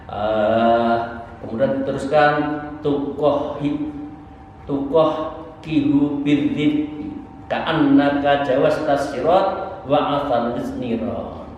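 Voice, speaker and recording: A man's voice: mid-range voice, slow, lo-fi sound. Javanese-accented older male preacher in echoey hall. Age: 60s. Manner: conversational, exhortative, with rhetorical asides and repeated tags. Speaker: Islamic preacher and Sufi teacher. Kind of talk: sermon, informal religious lesson explaining a book. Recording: very echoey hall, distant mic, faint noise.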